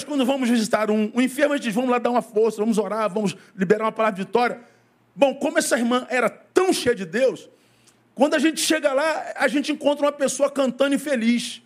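Preaching to the congregation in church, a middle-aged pastor questions his listeners directly. His delivery rises and falls sharply in both pitch and speed.

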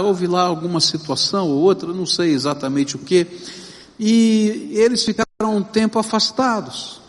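Middle-aged Brazilian man, high voice, preaching from the pulpit with emphatic, drawn-out stresses, church reverb. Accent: Brazilian Portuguese. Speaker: pastor. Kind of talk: sermon. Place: church sanctuary. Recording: long reverb of a large church.

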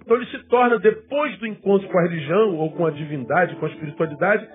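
A fifty-year-old Brazilian pastor with a Rio de Janeiro accent, preaching conversationally to a congregation and repeating words for emphasis. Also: male voice, sits high, quick pace. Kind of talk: sermon, conversational teaching to a congregation. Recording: thin phone-like sound, guitar music behind.

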